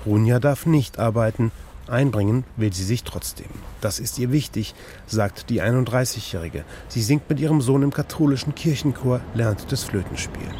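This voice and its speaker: Male radio reporter, measured scripted narration, faint noise behind. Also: mid-range voice, warm tone.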